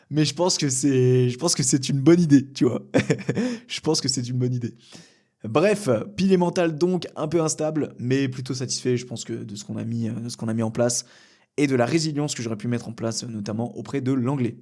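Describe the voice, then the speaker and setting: A man's voice: mid-range voice, a little mellow. A young man from France hosting a casual solo podcast from a small room at home, rambling with many fillers and restarts and the odd curse word. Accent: French. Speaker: podcast host.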